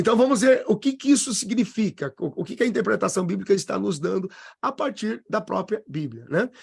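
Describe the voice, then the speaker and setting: A man is speaking. His pitch swings very widely. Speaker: pastor and bible teacher. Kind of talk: bible teaching lesson.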